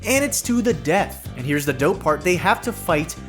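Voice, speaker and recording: Male host, lively pitch, casual profane recap comedy, faint music underneath. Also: normal speed. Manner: animated, profane, jokey. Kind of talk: comedic movie recap commentary.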